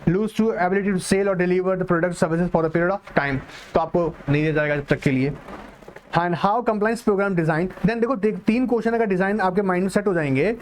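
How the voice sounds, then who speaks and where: A man teaching an online exam-prep class, reading English points slowly and explaining them in Hindi mixed with English, calling his students "beta". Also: high voice, slight background noise.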